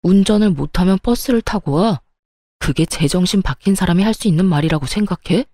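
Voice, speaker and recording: A woman voicing an exasperated young husband who yells at his mother, in a dramatized story reading. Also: on the low side, a little fast, no echo, studio quality. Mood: angry. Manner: shouting, exasperated.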